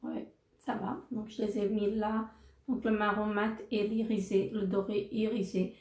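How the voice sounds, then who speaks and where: A woman's voice: mid-range voice, level tone, a little slow, a little mellow, echoey room. A woman presenting a makeup haul in a casual, hesitant way, with many fillers and repeated words. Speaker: beauty vlogger.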